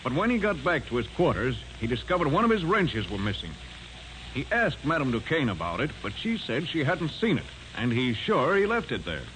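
Stern ship's captain, animated delivery. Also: male voice, medium pitch, a little fast. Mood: matter-of-fact. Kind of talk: 1940s radio acting. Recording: noisy, hissy 1940s radio recording.

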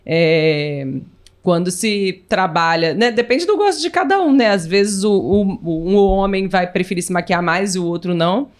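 A woman co-hosting a casual live podcast, talking quickly and reading listener comments aloud. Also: medium pitch, lively intonation. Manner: talks fast, reads comments aloud, agreeable "sim". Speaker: podcast co-host.

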